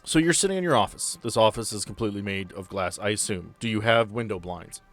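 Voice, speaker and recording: Low-voiced man running a tabletop game. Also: lively intonation, fast talker, fairly bright tone, soft background music. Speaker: game master. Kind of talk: tabletop roleplay narration and casual chat.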